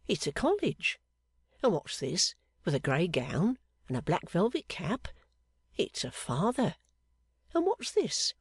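A narrator voicing an odd, sharp-eyed male clerk who speaks low and confidingly, teasing with questions. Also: husky, no room sound, studio quality, heavily acted. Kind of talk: audiobook character voice.

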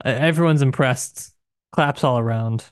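Male podcast co-host, mid-pitched, informal and wry, feeling his way through sentences, dry recording. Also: normal speed, clean tone, dry recording. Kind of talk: casual book chat.

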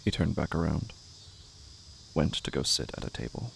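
A man with a gravelly voice narrating a literary horror audio drama in measured, somber, short phrases. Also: very deep voice, expressive. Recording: faint background noise with night insects.

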